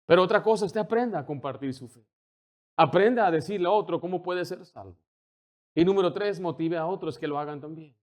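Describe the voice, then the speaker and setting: High-voiced man preaching a sermon. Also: fairly quick. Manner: preaching with rising intensity, acting out quoted dialogue. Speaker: pastor.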